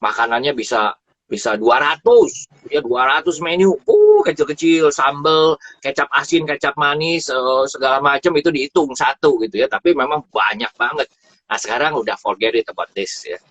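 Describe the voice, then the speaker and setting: A man giving a casual, animated talk about travel on a live stream, often repeating words for emphasis. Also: mid-range voice, moderate pace, dry recording. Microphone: phone or live stream mic. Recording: dull dry live stream audio.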